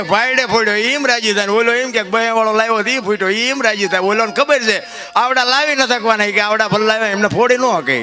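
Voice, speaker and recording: Impassioned folk storyteller man. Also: high voice. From Gujarat, India. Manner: preachy, storytelling, rising to loud impassioned peaks. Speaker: dayro storyteller. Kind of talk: folk dayro sermon.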